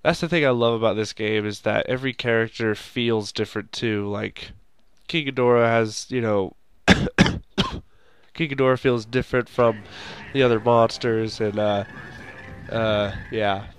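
A young man with a stuffy nose from a cold, rambling through casual let's-play commentary and shouting at the game now and then. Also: medium pitch, measured pace, smooth, no room sound. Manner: rambling, makes sound effects and shouts at the game.

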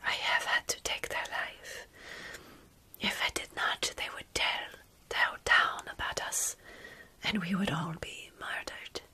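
A woman playing a gentle, centuries-old vampire caretaker in a soothing whispered ASMR roleplay. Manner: slow, soothing, measured whispering. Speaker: ASMR performer.

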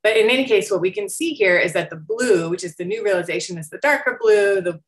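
A woman's voice: medium pitch, quick pace. A middle-aged woman researcher explaining survey results in an informal, conversational slide presentation over a video call. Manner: conversational, explanatory, with frequent hedging and rising check-ins. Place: indoor room, on a video call.

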